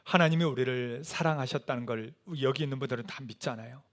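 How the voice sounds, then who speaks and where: A male pastor preaching a sermon, animated, often putting questions to the congregation and sometimes dropping to a soft whisper for emphasis. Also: medium pitch, quick pace.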